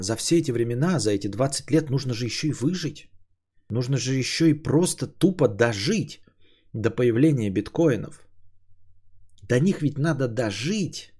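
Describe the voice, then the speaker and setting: A man's voice: medium pitch, husky. Musing man in his thirties, cursing. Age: 30s. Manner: musing aloud, swearing, drifts between lively and quiet. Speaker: podcast host. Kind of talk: rambling solo monologue.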